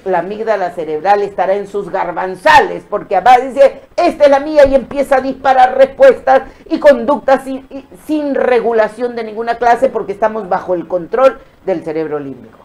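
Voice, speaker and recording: A woman giving an expressive motivational talk on emotions and the brain, speaking straight to viewers and acting out quoted voices. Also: a little high, normal speed, hardly any pauses.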